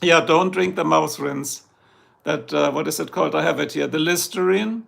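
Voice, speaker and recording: Brief: middle-aged German-accented streamer, hoarse, deeply gravelly, joking and rambling. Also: male voice, normal speed, fairly bright tone. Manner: joking, chatty, reads out viewer comments. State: hoarse, losing his voice. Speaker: livestream host. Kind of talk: rambling casual chat with viewers.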